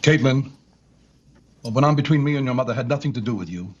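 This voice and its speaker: An actor playing an older, stern widowed father who bursts into shouting, with a husky voice. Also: mid-range voice, animated, fast talker, dull audio, a little hiss or hum, close to an everyday voice. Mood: angry. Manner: shouting in outbursts, then quiet regret. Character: stern widowed father, bitter and quick to yell.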